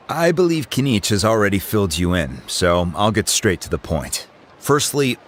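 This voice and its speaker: A courteous, low tribal chief. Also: male voice, slight background noise. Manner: formal, polite, direct. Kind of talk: game voice acting.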